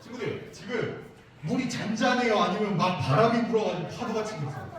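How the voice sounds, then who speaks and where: A man's voice: high voice, lively intonation, fairly quick, crowd noise. A man preaching to young children, asking them questions and repeating their answers. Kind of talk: children's sermon with call-and-response questions. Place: church worship room. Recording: echoey room, mic at a distance.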